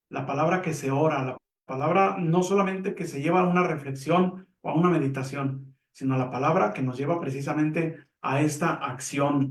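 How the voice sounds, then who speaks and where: Calm man teaching in an echoey room. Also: on the high side. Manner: calm, measured, explains with examples. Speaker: Catholic teacher on a program. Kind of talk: reflective religious teaching. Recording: echoey room, mic at a distance.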